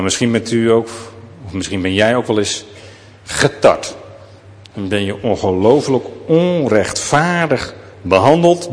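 A man preaching a sermon, telling the story in a lively way and speaking straight to his listeners. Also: medium pitch, big-room sound.

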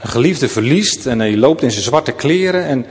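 A man preaching a sermon, telling the story in a lively way and speaking straight to his listeners. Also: mid-range voice, normal speed, big-room sound.

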